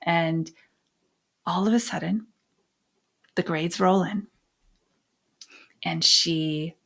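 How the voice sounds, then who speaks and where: A middle-aged American woman sharing personal stories and parenting advice as a podcast host, phrasing things emphatically with deliberate pauses. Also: on the low side, creaky, a bit bright. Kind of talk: conversational advice and personal storytelling.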